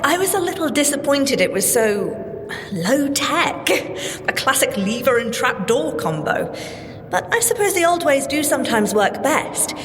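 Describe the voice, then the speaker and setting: A prim, earnest British field scientist in an audio drama. Her voice is fairly high and easily flustered. There is long reverb and faint noise around her. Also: a bit bright.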